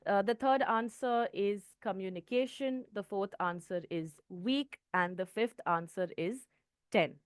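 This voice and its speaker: A woman's voice: medium pitch, a little slow, dry recording, clean studio sound. A woman with an Indian English accent giving a test-prep lesson, often checking in with "okay". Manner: clear teaching tone, frequent "okay" checks. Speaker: IELTS trainer.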